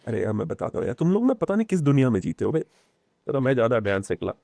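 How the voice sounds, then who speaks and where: A man talking in a casual podcast conversation, animated and opinionated, mixing English phrases into his speech. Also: mid-range voice, rapid-fire, vocal fry, no room sound. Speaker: podcast guest.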